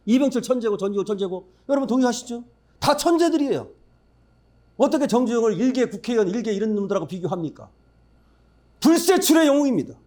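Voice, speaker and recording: A man's voice: high voice, warm tone. A man giving a political speech at a forum, emphatic and blunt, firing rhetorical questions at the audience. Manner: blunt, scornful asides. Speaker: forum speaker.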